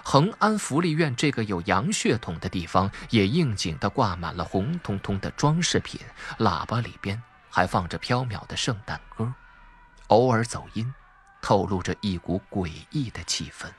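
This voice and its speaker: A man's voice: fairly low pitch, big pitch swings, moderate pace. A man reading a novel as dramatic scripted narration. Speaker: audiobook narrator. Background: background music.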